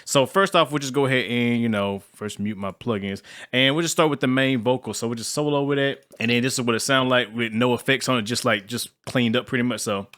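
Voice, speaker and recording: A man with a low voice giving a casual, slangy music-production tutorial, rambling with fillers. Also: fairly quick, hardly any pauses, fairly bright tone. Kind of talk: casual screen-recorded tutorial.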